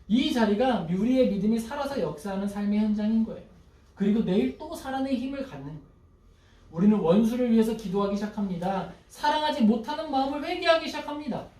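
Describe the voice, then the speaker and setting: A man's voice: very high-pitched, recorded from a distance. Male pastor preaching in an echoey hall. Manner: lively, acts out prayers in a pleading voice, asks the congregation questions. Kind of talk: sermon.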